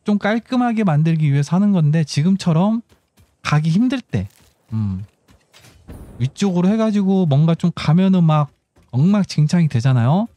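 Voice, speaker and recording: A man's voice: a little high, animated, moderate pace, dark tone, no echo. A man giving casual game tutorial commentary, explaining step by step and thinking aloud as he goes. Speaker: gaming channel host.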